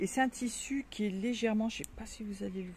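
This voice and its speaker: A dark, mellow, somewhat breathy voice at a moderate pace, with ordinary pitch variation. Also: woman. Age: 50s. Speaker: sewing vlogger. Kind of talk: casual vlog talk. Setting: outdoors. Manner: hesitant, many fillers.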